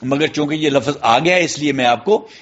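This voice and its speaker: A man's voice: on the high side, a bit bright. A man with a Pakistani Urdu accent teaching an English lesson, spelling words out letter by letter and repeating key points. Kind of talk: classroom lesson explanation. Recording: dull, muffled lo-fi sound.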